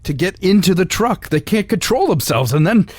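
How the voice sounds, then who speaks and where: A man's voice: sits high, big pitch swings, moderate pace, a little mellow, no echo. Joe, a man playing a self-sacrificing hero. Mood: urgent. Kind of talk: golden-age style radio drama acting.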